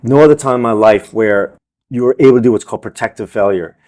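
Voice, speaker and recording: A Vietnamese-born man raised in America, a film director and teacher, answering interview questions in an earnest, animated way with many repeated words. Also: mid-range voice, quick pace. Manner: earnest, animated, repeats words and says "you know" often.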